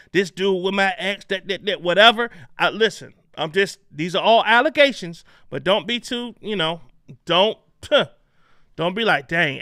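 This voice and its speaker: A man's voice: sits high, pushed and bright, clear, resonant tone, dry recording, clean studio sound. Chatty man hosting a commentary show. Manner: chatty, addresses viewers as y'all. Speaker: show host.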